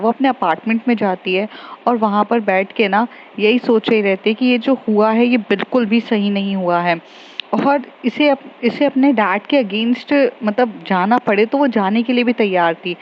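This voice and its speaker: A woman casually retelling a love story, chatty, with many fillers and English mixed into her Hindi. The recording is slightly dull, with faint noise behind. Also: medium pitch.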